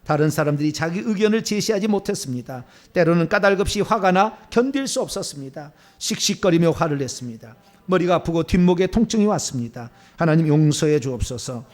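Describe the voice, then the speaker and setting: Fervent high-pitched man leading prayer. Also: animated, a little fast, darkish tone. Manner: fervent, declamatory prayer with surging emphasis. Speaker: pastor. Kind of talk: sermon and led repentance prayer.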